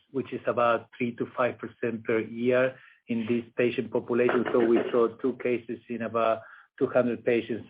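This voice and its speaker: A man giving a technical answer as a company executive on an earnings call, over a muffled phone line. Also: mid-range voice.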